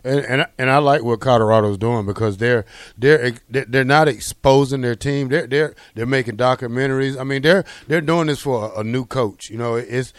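A man co-hosting casual sports talk in an earnest, halting way, often repeating words as he builds a point. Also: medium pitch, no echo, clean studio sound. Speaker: sports show co-host.

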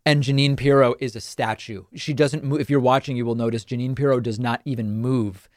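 A man's voice: medium pitch, steady tone, fairly quick, no echo, studio quality. Sarcastic male political talk host. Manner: sarcastic, scornful, argumentative. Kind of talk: opinionated political commentary.

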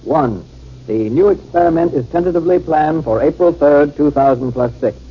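An actor playing a dutiful, efficient military aide in a 1950s radio drama, speaking formally. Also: male voice, on the high side, moderate pace. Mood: formal, eager. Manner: formal, crisp reading. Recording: dull, noisy old radio recording.

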